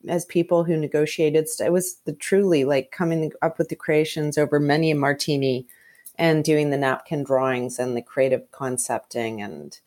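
Candid low-voiced woman in her fifties. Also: darkish tone. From Canada. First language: Hungarian. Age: 50s. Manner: frank, chatty, storytelling with asides. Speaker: guest. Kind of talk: candid conversational interview.

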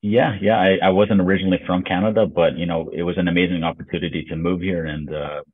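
A man from Slovakia, a business owner, talking as a podcast guest in a relaxed, loose way with plenty of fillers, heard over a remote call. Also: sits low, quick pace, slightly rough. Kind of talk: casual interview chat. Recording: tinny phone-like call audio.

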